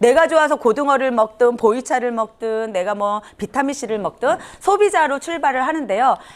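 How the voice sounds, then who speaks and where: Her pitch high and her tone animated, a woman speaks. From South Korea, Bucheon. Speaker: network marketing seminar speaker. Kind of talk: business presentation. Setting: seminar hall with audience. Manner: fast.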